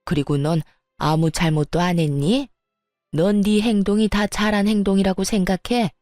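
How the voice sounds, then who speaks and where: A woman's voice: mid-range voice, fairly even intonation, moderate pace, dark tone, no room sound, faint music behind, lightly acted. Woman acting as a spiteful, sneering mother-in-law. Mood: scolding. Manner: sneering, sarcastic, scolding. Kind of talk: storytelling narration with acted dialogue.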